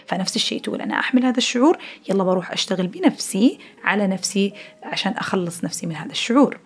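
A woman's voice: mid-range voice, lively intonation, rapid-fire, breathy edge. A woman hosting a podcast, explaining ideas in a chatty way through everyday comparisons, often restarting her sentences. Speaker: podcast host. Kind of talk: casual explanatory talk.

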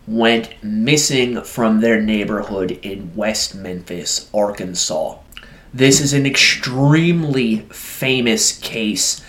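Man hosting a scripted true crime podcast. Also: medium pitch. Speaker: podcast host.

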